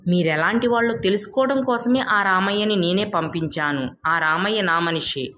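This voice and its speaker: A woman's voice: mid-range voice, fairly bright tone, slight background noise, natural voice. A woman voicing a wealthy, judging village patriarch in a storybook tale, making firm pronouncements. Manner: declarative, judging. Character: stern wealthy village father-in-law testing families.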